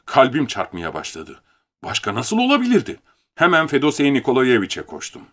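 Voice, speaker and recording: A man reading a first-person story aloud as an audiobook, with animated, theatrical storytelling. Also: medium pitch, normal speed.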